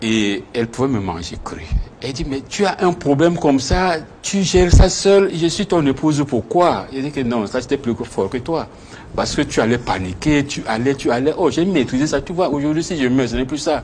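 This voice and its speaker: A man's fairly high-pitched voice with lively intonation over noticeable background noise. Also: moderate pace. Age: 60s. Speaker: politician. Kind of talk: interview.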